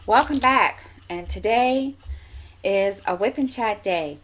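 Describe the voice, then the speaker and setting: A woman's voice: mid-range voice, slow pace. A woman with a stuffy nose, rambling casually with lots of fillers as a crafting vlogger. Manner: chatty, meandering, many fillers and restarts.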